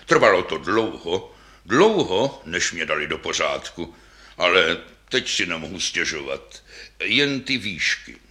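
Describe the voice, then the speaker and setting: A man voicing an old, dignified male double bass in a storybook, speaking slowly and courteously with sighs. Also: pushed and bright. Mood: wistful. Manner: slow, sighing, courteous.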